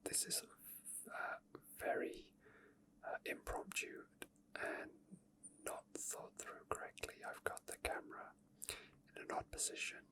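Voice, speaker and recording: A person whispering quiet, unscripted ASMR gameplay commentary in a breathy voice, unhurried and rambling, close to the microphone. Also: rough recording. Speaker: video game streamer making ASMR. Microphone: microphone tucked under a hoodie, close to the mouth.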